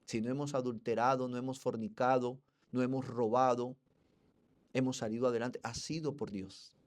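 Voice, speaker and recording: A male Colombian preacher delivers an expository sermon in a Colombian accent. He speaks with fervor and turns often to the congregation as brothers. His voice sits at a middling pitch for a man. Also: steady tone, normal speed. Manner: fervent, addresses the congregation as brothers. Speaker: pastor.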